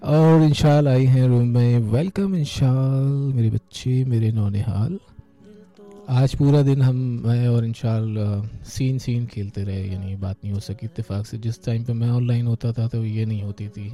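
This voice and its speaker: A man's voice: medium pitch, steady tone, a little slow, dark tone. A man hosting an online radio show, chatting casually and affectionately with listeners, often laughing and slipping into English. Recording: faint music underneath.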